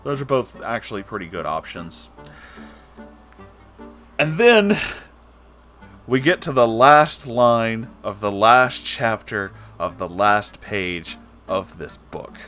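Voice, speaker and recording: A man's voice: fairly low pitch, big pitch swings, takes it slowly, pauses often, pushed and bright, faint music behind. A man giving casual, sweary commentary on a book as host, sarcastic and emphatic in his delivery. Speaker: host of a book reading series.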